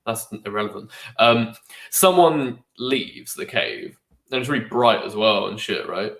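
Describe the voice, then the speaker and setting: A young man talks in a loose, rambling way, dropping slang and swearing freely. His voice is bright and forward. The room around him is echoey. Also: fairly low pitch, animated, measured pace, gravelly. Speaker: podcast co-host. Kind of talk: casual chat.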